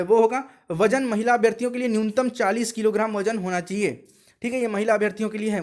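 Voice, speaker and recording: A man presenting an informal explainer, reading out details in an instructional way and often checking in with listeners. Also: very high voice. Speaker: presenter of exam and job notice videos.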